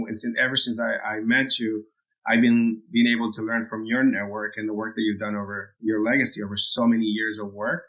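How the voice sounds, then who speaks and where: A man's voice: medium pitch, a bit bright, highs cut off. A man hosting a podcast conversation, often repeating words and restarting as he talks. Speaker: podcast host.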